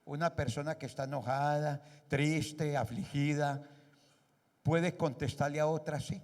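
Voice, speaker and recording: Emphatic pastor in an echoey hall. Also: male voice, a little high, steady tone, measured pace, darkish tone. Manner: emphatic, asks the congregation rhetorical questions. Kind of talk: sermon. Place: church hall.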